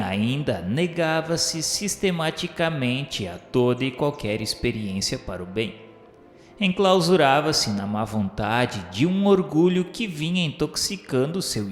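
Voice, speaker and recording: A reverberant male voice acting as narrator carries a radio drama with solemn formality. He speaks slowly at a medium pitch, each phrase measured, with music behind him. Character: solemn male narrator recalling the spirit world. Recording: echoey long reverb, music bed.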